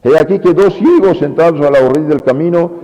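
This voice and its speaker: A man preaching a sermon as a priest, with lively delivery that acts out quoted pleas. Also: on the high side, quick pace. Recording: lo-fi recording with long church reverb.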